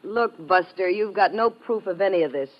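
Casting: woman playing hard-bitten American female killer, 1950s radio crime drama, slangy and taunting, mid-pitched, dulled vintage sound. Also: moderate pace, lightly acted. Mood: defiant. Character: cold, mocking female gangster, tough-talking killer. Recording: dull vintage radio recording.

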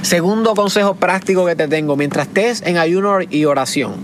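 A man's voice: high voice, fairly quick, a little hiss or hum. A man in his twenties from Puerto Rico with a Puerto Rican Spanish accent, giving practical advice as a podcast host in an emphatic, repetitive preaching cadence. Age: 20s. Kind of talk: motivational preaching monologue.

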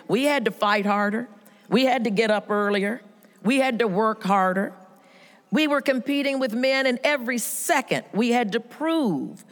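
A woman giving an emphatic motivational speech, telling stories with lively quoted voices. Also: fairly high pitch. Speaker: speaker at a women's event. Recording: reverberant hall.

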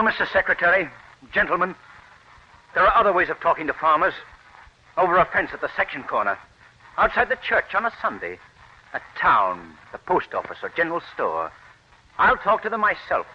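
An earnest, resolute American wheat scientist whose voice is very lively and a little high. Faint hiss sits under the muffled old radio recording. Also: male voice, fairly quick, husky, full character voice. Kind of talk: 1940s radio acting.

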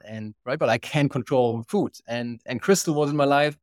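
A man with a German accent speaks as an interview guest, earnest and often restarting his sentences. His voice sits at a middling pitch. The sound is dry and close, with no room echo. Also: normal speed. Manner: earnest, many restarts and repeated words. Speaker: guest, company co-founder and CEO. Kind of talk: casual interview chat.

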